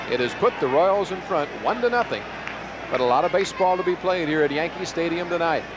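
With clear music in the background, a man with a high voice talks very fast, his pitch varying in an ordinary way, in a dry sound with no echo. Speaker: baseball play-by-play announcer. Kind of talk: live baseball commentary; sports commentary. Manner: crisp, excited on home run call.

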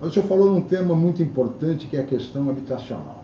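Noticeable noise sits behind the recording. Over it, a man's voice is heard. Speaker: news interview host. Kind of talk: formal TV interview. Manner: formal. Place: studio.

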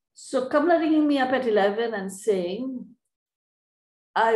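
Room echo is audible on this recording. The speaker is a woman. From Bangladesh. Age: 70s. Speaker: social activist; webinar speaker. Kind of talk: memorial tribute. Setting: video call. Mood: reflective, fond remembrance. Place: home room. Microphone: video call.

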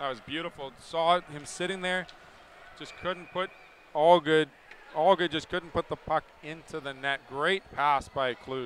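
With a normal speaking voice, a man talks at a fairly slow pace in a fairly high pitch, his intonation fairly even but his loudness swinging widely. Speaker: colour analyst, co-commentator. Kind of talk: sports commentary, analysis between plays. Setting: broadcast from an arena. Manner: conversational, relaxed, explanatory.

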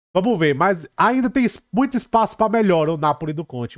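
Over a quiet background, a man with a high-pitched voice talks at a moderate pace, his pitch swinging very widely. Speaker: football commentator. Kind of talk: heated sports commentary, opinionated rant. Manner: animated, emphatic. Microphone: studio mic.

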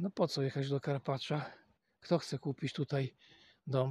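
A somewhat breathy man speaks at a very slow pace with fairly even intonation and a dry sound with no echo. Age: 60s. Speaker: vlogger. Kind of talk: casual vlog monologue. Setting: outdoors in snow. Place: garden. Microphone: phone near.

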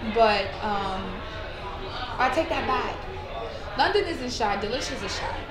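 A woman speaks with an American accent, leaving long, frequent pauses. Loud background noise runs behind her. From US Midwest, Detroit. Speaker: reality TV personality and model. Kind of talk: interview. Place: bar.

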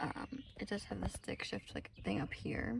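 There is light background noise behind a woman whose recording sounds dry, with no echo. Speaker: vlogger. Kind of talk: casual vlog chat. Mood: cheerful, excited. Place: car. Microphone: phone near.

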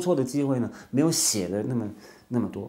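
Behind the voice, the background is quiet. A man speaks at a moderate speed. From France. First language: French (speaking Chinese). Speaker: French language teacher; language teacher. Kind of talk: tutorial. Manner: halting, many fillers and repeats. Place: studio. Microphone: lapel.

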